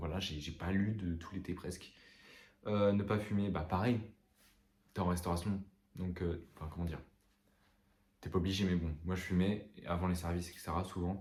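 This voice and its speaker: A man with a very deep, low pitch and a somewhat breathy voice speaks at a moderate pace in a flat monotone, with audible room echo. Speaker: vlogger. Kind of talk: casual monologue vlog.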